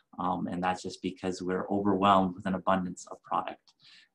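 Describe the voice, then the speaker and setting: Against a quiet background, a man with a very deep, low pitch talks at a fairly quick pace in a monotone, flat delivery. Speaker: panelist. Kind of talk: panel presentation. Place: office. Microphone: webcam.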